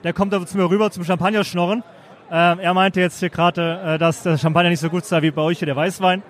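A man's voice: sits high, flat delivery, quick pace. A man from the Stuttgart area hosting a podcast at a trade fair lounge, chatting casually and jokingly with plenty of fillers. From Germany, Stuttgart area. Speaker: podcast host. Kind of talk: casual chat interview.

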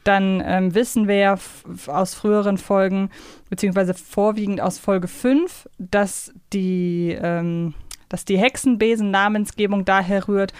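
A woman's voice: mid-range voice, fairly even intonation, a little slow, a little mellow, smooth, no room sound, studio quality. A woman co-hosting a casual podcast, talking in a conversational, reflective way and sharing her opinions. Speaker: podcast co-host. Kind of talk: casual discussion of a children's audio series.

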